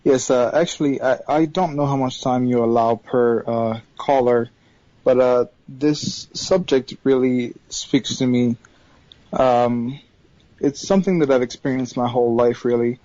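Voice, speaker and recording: Hesitant caller from Haiti, dull phone line. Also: male voice, mid-range voice, fairly even intonation, unhurried, warm tone, no room sound. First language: not English; third language. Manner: hesitant, many fillers and restarts. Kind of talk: phone-in call, telling a personal story.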